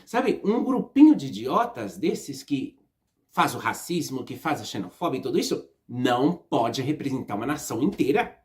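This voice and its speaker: A woman's voice: rumbling low, very animated, moderate pace, a little mellow. Emphatic Brazilian woman vlogger. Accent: Brazilian Portuguese. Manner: emphatic, repeats phrases, often adds "né?" and "tá?". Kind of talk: casual opinion monologue to viewers.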